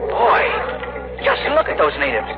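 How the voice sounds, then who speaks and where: An actor playing a brash, slangy young airplane pilot in a 1930s radio drama. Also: male voice, on the high side, normal speed, loud music behind the voice, over a noisy crowd. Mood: wary. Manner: slangy, excitable. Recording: muffled hissy 1930s radio broadcast.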